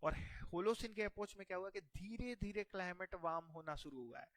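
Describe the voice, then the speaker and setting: A man's voice: high-pitched, fairly quick, a bit bright, no echo. A man teaching a history exam-prep lecture, explaining step by step and asking himself rhetorical questions.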